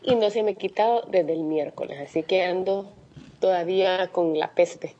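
A woman's voice: on the low side, normal speed, warm tone, muffled recording, a little hiss or hum. A woman with a sore throat, chatting casually as a radio co-host. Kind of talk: casual chat.

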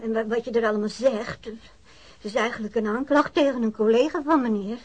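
An actress in a Dutch radio drama playing a timid, anxious older wife who speaks haltingly. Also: female voice, a little high, fairly even intonation, darkish tone, husky. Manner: hesitant, halting.

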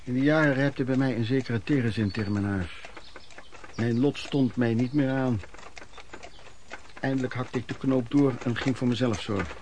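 A man's voice: medium pitch, moderate pace, long pauses, darkish tone, slight background noise, close to an everyday voice. An actor playing an embittered working-class man who recounts his miserable youth in a colloquial radio play monologue. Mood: sober, sorrowful. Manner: colloquial, emotional storytelling with repetitions. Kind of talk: Dutch radio play narration, reminiscing monologue.

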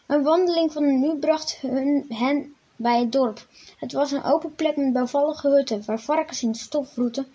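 A woman reads a children's Bible story aloud in a plain storytelling voice, then speaks directly to the young listeners. Her voice sits high. The recording sounds dull and lo-fi. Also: moderate pace, warm tone.

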